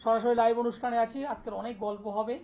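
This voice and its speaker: A man, an astrologer hosting a live TV call-in show, delivering an insistent, repetitive pitch and taking callers' details. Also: little pitch movement, quick pace. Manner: insistent, repetitive sales pitch, listing place names. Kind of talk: live TV promotional talk and phone call-in. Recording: dull lo-fi broadcast sound.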